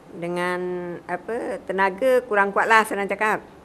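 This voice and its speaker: This woman talks at a very slow pace. Her pitch is medium and her intonation fairly even. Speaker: customer giving a product testimonial. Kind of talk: testimony.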